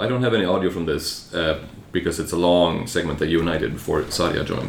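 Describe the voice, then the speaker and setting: Against noticeable background noise, a man with a Swedish accent talks at a very fast pace in a very deep, low pitch. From Sweden. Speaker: arbitration lawyer, podcast co-host. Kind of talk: casual chat.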